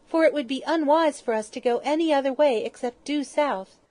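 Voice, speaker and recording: A woman's voice: high-pitched, brisk, darkish tone, no echo, voice pushed up, natural voice. A woman voicing a polite, kindly young girl in a storybook reading, speaking earnestly.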